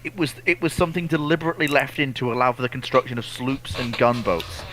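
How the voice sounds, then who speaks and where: A man's voice: medium pitch, steady tone, fast, a bit bright, rough recording. A man co-hosting a casual history discussion, reading out and answering viewer questions, often repeating words and restarting phrases.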